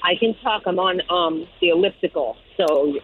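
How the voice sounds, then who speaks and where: A woman's voice: lowish voice, normal speed, slight background noise. A woman being interviewed over the phone, chatty and laughing often. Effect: phone line. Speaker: interviewed mother. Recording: tinny phone line.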